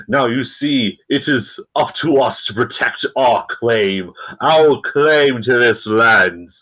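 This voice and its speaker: A man voicing a pompous, ruthless male warlord whose voice is magically amplified to boom across a ship. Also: fairly bright tone, muffled recording. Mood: rousing. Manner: slow, grand declaiming speech. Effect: magically amplified booming voice. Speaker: game master.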